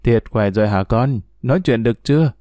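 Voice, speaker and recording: A man reading a story aloud as narrator, voicing the characters with small pitch shifts. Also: a little fast, warm tone, no room sound, studio quality.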